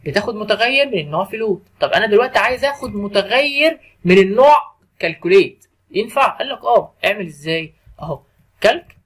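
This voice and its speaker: Middle-aged Egyptian man, programming lecturer, very quick talker, slightly husky, answers his own questions. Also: high voice, animated, a bit bright. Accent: Egyptian Arabic. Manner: asks the class questions and answers them himself. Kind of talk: screen-recorded coding lesson.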